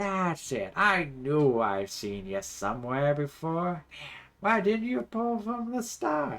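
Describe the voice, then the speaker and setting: A man's put-on character voice, fairly high in pitch, with very wide pitch swings and a fairly slow pace. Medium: game stream. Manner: hustling, refers to himself in third person.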